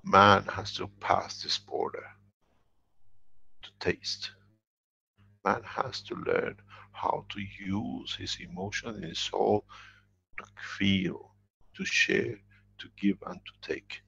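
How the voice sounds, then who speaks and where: Deep gravelly man lecturing. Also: a bit bright. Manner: emphatic, repeats key phrases. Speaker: workshop lecturer. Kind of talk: spoken workshop lecture. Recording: dull lo-fi recording.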